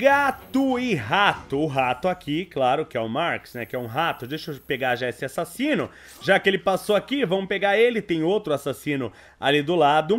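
His voice is high-pitched. The man's pitch also swings very widely. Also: moderate pace. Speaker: gaming YouTuber. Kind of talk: gameplay commentary.

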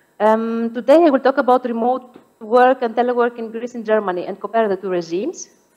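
A woman with an unremarkable speaking voice talks at a fairly quick pace, hardly pausing, her pitch fairly high with ordinary variation. Her loudness swings widely over a quiet background. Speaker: law researcher; conference presenter. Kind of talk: conference presentation. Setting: video call. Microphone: video call.

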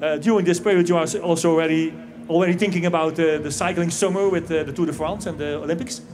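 Faint music plays in the background as a man talks at a very fast pace. His voice is high, with fairly even intonation. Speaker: event announcer. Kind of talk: PA team presentation. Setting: PA system, outdoor square with crowd. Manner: formal. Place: stage. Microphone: handheld.

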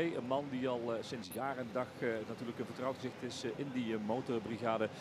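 There is noticeable background noise as a man talks. His pitch is medium and his intonation fairly even. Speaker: cycling commentator. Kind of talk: live commentary.

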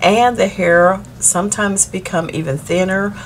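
A woman talks at a fairly slow pace in an ordinary speaking voice, pitched fairly low. Her pitch varies in an ordinary way over light background noise. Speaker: beauty vlogger. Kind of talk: casual tutorial vlog chat. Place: home room. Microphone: phone near.

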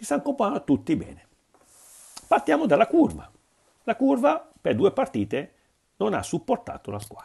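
The tone is animated, with very wide pitch swings at a moderate pace. Long, frequent pauses break up the speech over a quiet background. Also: man, high pitch for a man. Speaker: football commentator on YouTube. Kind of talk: angry rant. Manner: sarcastic, indignant; animated, repetitive, mocking. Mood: sarcastic, indignant. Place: home room. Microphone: earbuds.

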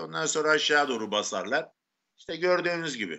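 A man's fairly quick speech with very wide pitch swings over a quiet background. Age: 70s. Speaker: stock market technical analyst; guest. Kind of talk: TV market commentary. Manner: casual, colloquial. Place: home room. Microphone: video call.

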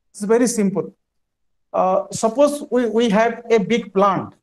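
A man's high voice with an Indian accent, at a fairly slow pace with ordinary pitch variation. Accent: Indian English (Odia). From India, Odisha. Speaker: university resource person lecturing economics. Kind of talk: lecture. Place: classroom. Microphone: audio problem at start; earbuds.

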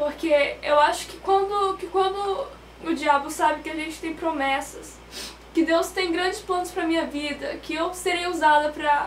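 A woman with an extremely high pitch and ordinary pitch variation speaks at a moderate pace, her loudness swinging widely, against noticeable background noise and audible room echo. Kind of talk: testimony. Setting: home bedroom.

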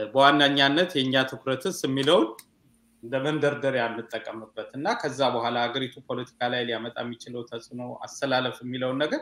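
With a bright, sharp tone and fairly even intonation, a man speaks amid audible room echo. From Ethiopia. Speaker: show host. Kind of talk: political discussion. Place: home room. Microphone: webcam.

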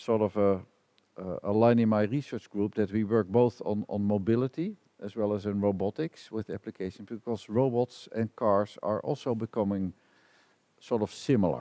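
Against a quiet background, a man speaks in a fairly low pitch at a moderate pace with ordinary pitch variation. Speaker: keynote speaker, professor. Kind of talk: interview answer. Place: studio. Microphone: lapel.

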